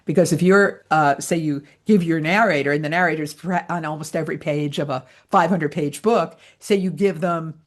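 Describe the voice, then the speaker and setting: A woman's voice: low voice, moderate pace, few pauses. A woman coaching voice actors in an online training session, talking in a chatty, explanatory way and laughing easily. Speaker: voice-over coach.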